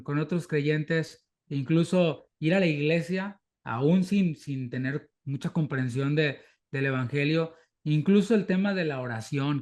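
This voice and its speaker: A man with a Mexican Spanish accent and a slightly raised pitch talks things through as an interviewer. He speaks thoughtfully, restarting phrases and repeating words as he feels his way toward each point. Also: a little mellow. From southern Mexico. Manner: thoughtful, halting, many false starts. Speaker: church interviewer. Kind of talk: conversational interview, reflective.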